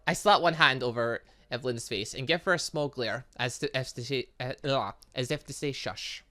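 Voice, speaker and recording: A man's voice: mid-range voice, moderate pace, sharp tone. A young man doing casual let's play commentary, rambling and mildly sweary, stumbling as he reads game text aloud. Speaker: gaming channel host.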